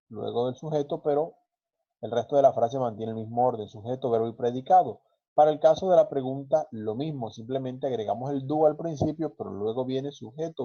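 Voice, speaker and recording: A man teaches English grammar in a patient, explanatory way and slows down for each example sentence. His voice is very dark and mellow. The sound is dull and lo-fi, like an online class. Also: medium pitch.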